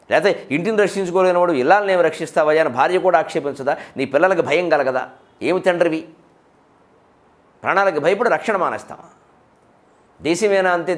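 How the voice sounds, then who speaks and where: Emphatic male lecturer, rhetorical questions. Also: on the high side. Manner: emphatic, rhetorical questions, mimics others mid-speech. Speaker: lecturer on literature. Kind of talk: public lecture on poetry and culture.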